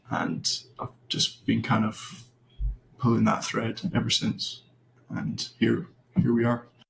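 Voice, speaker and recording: A man with a Scottish accent speaks at a very slow pace, with long, frequent pauses. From Scotland. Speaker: AI research engineer. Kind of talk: podcast interview.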